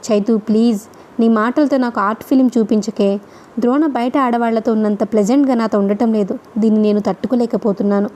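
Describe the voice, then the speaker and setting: A woman's voice: on the high side, fairly even intonation, brisk, mellow, lightly acted. A woman voicing a distressed young married woman who speaks in a pleading, plaintive way.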